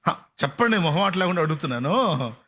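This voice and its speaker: High-pitched guy preaching, keeps repeating himself, throws questions at the crowd. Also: big pitch swings, fast, a bit bright. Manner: rhetorical questions to the congregation; repetitive, colloquial preaching. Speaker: pastor. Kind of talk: sermon.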